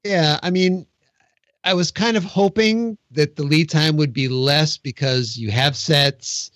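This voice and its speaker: A man hosting a casual podcast, talking conversationally with quick jokey asides. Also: fairly high pitch, fairly bright tone, dry recording. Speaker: podcast host. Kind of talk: casual chat.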